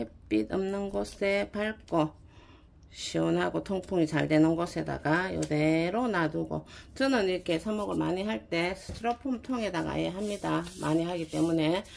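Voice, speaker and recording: A woman with a Gyeongsang accent at a fairly slow pace. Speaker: home gardener, video creator. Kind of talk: gardening tutorial. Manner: casual, conversational.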